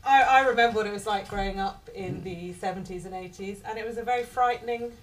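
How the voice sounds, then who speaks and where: A woman moderates a conference panel, her questions polite and probing. She stops and restarts often as she frames each point, at a moderate pitch. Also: quick pace, poor audio. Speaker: debate chair. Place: conference hall.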